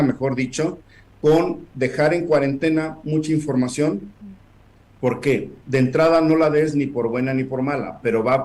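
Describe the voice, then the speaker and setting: Mid-pitched male guest, measured and explanatory, pausing often. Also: darkish tone. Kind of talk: casual online debate.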